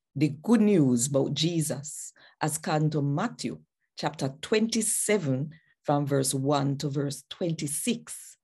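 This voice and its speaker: A woman with a Jamaican accent speaks at a fairly slow pace in a very deep, low pitch, her tone dark and mellow, somewhat breathy, with lively intonation over a quiet background. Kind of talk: scripture reading.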